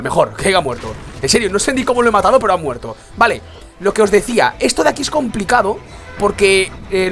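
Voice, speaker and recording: A young man, commenting on a mobile game he is playing, congested and sore-throated from a cold, swinging between low muttering and excited outbursts. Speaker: gaming YouTuber. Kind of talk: let's play commentary.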